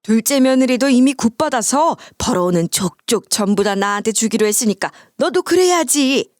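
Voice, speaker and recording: A woman voicing a scheming older mother-in-law who gives drawn-out, bossy commands in a storytelling video. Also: a little high, expressive, no room sound, clean studio sound, close to an everyday voice. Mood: demanding.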